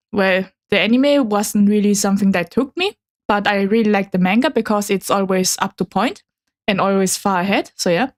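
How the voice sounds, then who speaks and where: A woman with a mid-range voice presents slides on a casual livestream. She is a native Chinese speaker. Her delivery is hesitant and slightly awkward, as befits a newcomer to VTubing. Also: mid-range voice. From Germany. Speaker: debuting VTuber streamer.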